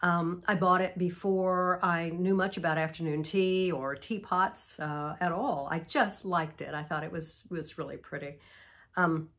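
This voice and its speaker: A middle-aged woman hosting a vlog, explaining in a gentle, measured way, sounding nasal from a cold. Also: lowish voice, steady tone. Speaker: vlog host. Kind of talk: casual instructional vlog. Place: antique mall, indoors.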